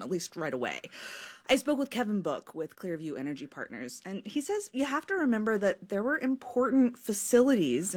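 A woman news correspondent explaining energy markets in a conversational broadcast, fluent with small restarts. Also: medium pitch.

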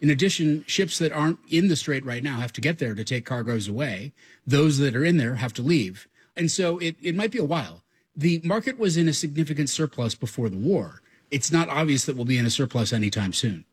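A male analyst lays out market logistics in a matter-of-fact manner. His voice is slightly husky and a little higher than average. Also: animated, fairly quick. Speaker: energy analyst.

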